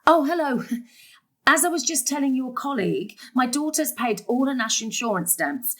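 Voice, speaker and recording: A harried middle-aged woman caring for her family in a stage drama. Her voice is high and swings widely in pitch. She is snappy, emphatic and exasperated. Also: big pitch swings, normal speed. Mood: strained, pleading. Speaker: stage actor. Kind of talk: dramatic dialogue in a play.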